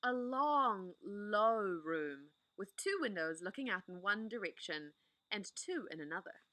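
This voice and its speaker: A woman reading a children's book aloud in a gentle, soothing way. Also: medium pitch, lively intonation, unhurried, dry recording. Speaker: storytime host.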